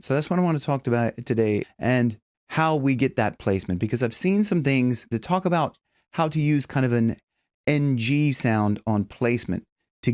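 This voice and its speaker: A man's voice: medium pitch, a little mellow, dry recording, studio quality. A middle-aged man giving an instructional voice lesson as a vocal coach, explaining things step by step. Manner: demonstrates with hums and sung tones. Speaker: vocal coach and professional singer.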